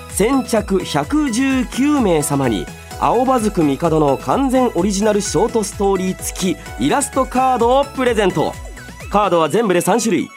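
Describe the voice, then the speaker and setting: A male radio host with a fairly high voice and very animated intonation. He talks in a polite, chatty manner, switching between casual talk and announcements, with music playing behind him. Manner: polite, chatty, frequent soft "ne" tags. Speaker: radio show host and voice actor.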